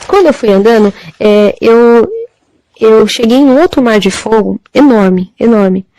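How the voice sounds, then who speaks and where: A woman's voice: a little high, measured pace, warm tone, low-quality recording. A woman giving a spoken religious testimony, hesitant and repetitive. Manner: hesitant, repetitive, often restarting.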